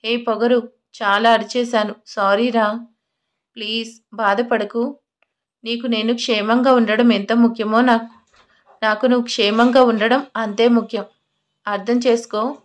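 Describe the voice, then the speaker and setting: A woman's voice: on the high side, flat delivery, a little slow, pauses often, close to an everyday voice. A woman voicing a stubborn, hot-tempered young husband in an audio love story, scolding and then apologizing. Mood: tender.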